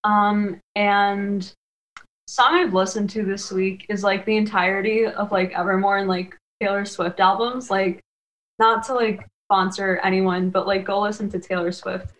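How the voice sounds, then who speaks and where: A woman's voice: mid-range voice, steady tone, measured pace, fairly bright tone, low-quality recording. Casual young woman podcast host. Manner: casual, peppered with "like".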